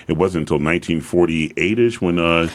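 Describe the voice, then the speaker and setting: Very deep-voiced Southern American man. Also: moderate pace. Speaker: opera singer guest. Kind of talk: radio interview conversation.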